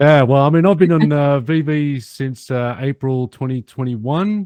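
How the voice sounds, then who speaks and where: A man with an Australian accent and a dark, mellow tone, in a dry, close sound with no echo and a quiet background. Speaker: community member introducing himself on a stream or call.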